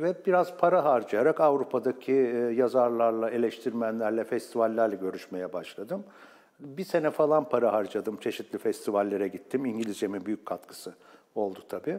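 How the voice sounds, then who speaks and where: With lively intonation, a man talks at a moderate pace in a quiet setting. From Turkey (Ankara). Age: 50s. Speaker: theatre director and actor; actor. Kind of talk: TV interview. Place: studio. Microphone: lapel.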